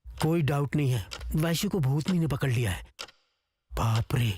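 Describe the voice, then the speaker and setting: A man dubbing an excitable young schemer who talks up his plans with bits of English slang. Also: medium pitch, measured pace, breathy edge, dry recording, studio quality. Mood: panicky. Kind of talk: Hindi film dubbing. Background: film score.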